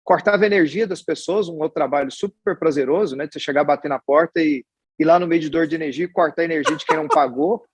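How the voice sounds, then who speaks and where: A man in his forties from Goiás, Brazil, with a Goiás accent, chatting as an interview guest and telling his life story in a relaxed, rambling way. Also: a little high, quick pace, breathy edge, no echo. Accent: Goiás Brazilian Portuguese. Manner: chatty and storytelling, with many restarts and tag questions. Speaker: guest, hospital executive. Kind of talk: casual interview conversation.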